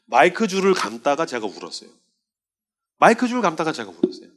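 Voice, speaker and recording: A man preaching with a high, lively voice that swings widely in pitch. He tells his stories vividly and acts out the people in them with voices of their own. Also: fast. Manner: animated storytelling, acting out voices of soldiers. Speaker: pastor. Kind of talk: sermon.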